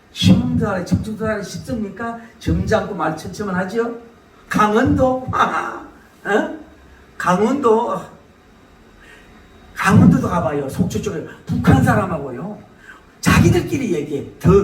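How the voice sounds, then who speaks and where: A middle-aged male pastor preaches a lively sermon in a high voice. His pitch jumps all over as he shouts questions and laughs between points. He sounds far from the mic in a roomy, echoing hall with a faint hiss underneath. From South Korea.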